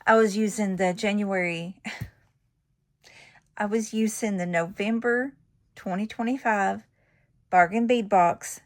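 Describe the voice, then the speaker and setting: A middle-aged woman hosting a casual jewelry-making tutorial, chatty and quick to correct herself. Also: mid-range voice, steady tone. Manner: chatty, self-correcting, laughs at her slips. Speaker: jewelry-making channel host.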